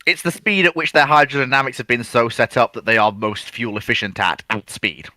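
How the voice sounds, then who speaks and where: A man with a bright, crisp-edged voice speaks close and dry, with no room sound. He is a panelist in a casual discussion, chipping in with explanations. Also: medium pitch, brisk, dry recording. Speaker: guest panelist.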